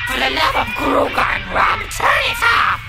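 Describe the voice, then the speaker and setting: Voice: extremely high pitch, very animated, a little slow, creaky, over a noisy crowd, full character voice. An actor playing a bitter alien villain, ranting theatrically in exaggerated cartoon style. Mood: scornful outrage. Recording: echoey, far, loud music behind.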